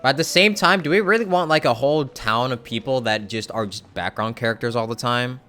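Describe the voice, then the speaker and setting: A man's voice: medium pitch, a little fast, sharp tone, faint music behind. A young man casually commenting on a game story during a live stream, rambling with hedges and the odd swear word.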